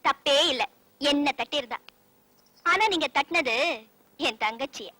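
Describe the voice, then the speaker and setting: An actress playing a strict young bride in a film comedy, firm and lecturing. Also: female voice, sits high, a little slow, bright, forceful tone, no echo. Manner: firm, lecturing, proverb-quoting. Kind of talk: 1990s Tamil film comedy acting.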